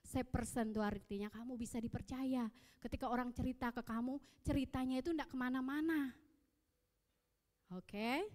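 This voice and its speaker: A woman's voice: sits high, moderate pace. Indonesian woman preaching in an echoing hall. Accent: Indonesian, Samarinda. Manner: lively storytelling, acting out dialogue. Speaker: youth service speaker. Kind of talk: sermon with personal stories. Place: church hall. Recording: long echo of a church hall.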